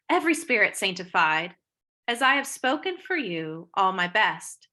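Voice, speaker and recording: A woman reading the part of a gentle, troubled young noblewoman in Shakespearean verse, earnest and expressive. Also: a little high, exaggerated voice. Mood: earnest, regretful. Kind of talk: Shakespeare read-aloud, dramatic verse.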